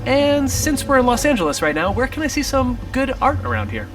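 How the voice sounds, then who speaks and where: A man asking upbeat, rapid-fire interview questions in an eager, playful way. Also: very high voice, sing-song. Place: backstage at an arena venue. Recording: distant mic with music behind.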